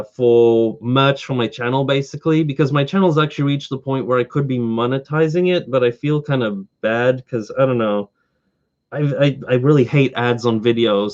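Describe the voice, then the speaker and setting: A slightly hoarse man chatting casually on a live stream, wandering from point to point with eager enthusiasm. His voice sits at an ordinary middle pitch. The audio is dull and lo-fi. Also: darkish tone. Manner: rambling, eager collector fan. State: slightly hoarse from talking all day. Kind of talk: casual live stream chat answering viewers.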